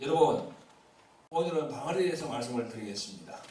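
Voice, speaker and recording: This man talks at a fairly quick pace with a fairly high pitch. His pitch swings very widely, and audible room echo surrounds the recording. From Gyeongsang province, South Korea (Busan). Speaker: pastor. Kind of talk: sermon. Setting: church, seated, filmed for online video.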